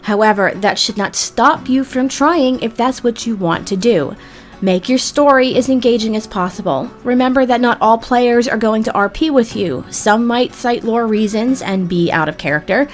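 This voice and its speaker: A woman hosting a video, narrating a scripted explainer in a measured, deliberate way with emphatic pauses. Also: on the high side. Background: background music.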